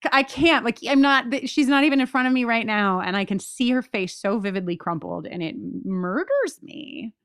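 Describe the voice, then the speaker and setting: A woman hosts a rewatch podcast in a fairly high voice. She is emphatic and expressive, dropping casual asides into her commentary. The sound is dry, with no room on it. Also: normal speed, few pauses, clear, resonant tone, no room sound. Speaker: podcast host.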